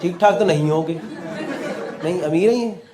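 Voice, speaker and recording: Teasing high-voiced male comedian, loud crowd. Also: normal speed. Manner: teasing, mixes Hindi and English. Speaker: stand-up comedian. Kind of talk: crowd work banter. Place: live comedy venue with laughing audience. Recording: loud crowd and noise from a live show.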